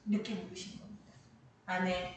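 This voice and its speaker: A woman's voice: fairly low pitch, level tone, brisk. A woman preacher giving a Sunday sermon, emphatic, repeating key lines for weight. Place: church sanctuary. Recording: echoey hall, distant mic, faint noise.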